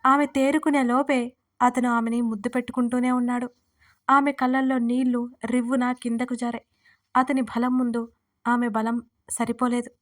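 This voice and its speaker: A woman hosting and narrating a serialized audio story in a steady reading voice. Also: on the high side.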